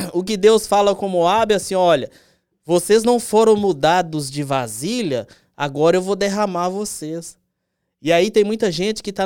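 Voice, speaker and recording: Recorded very cleanly against a silent background, a man with a Brazilian accent speaks in a high voice. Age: 40s. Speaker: evangelical preacher and podcast host.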